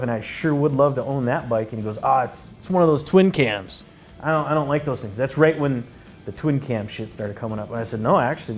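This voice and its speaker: A man's voice: medium pitch, darkish tone. A man in his forties telling a long, profane, rambling story in a casual chat, full of fillers and restarts.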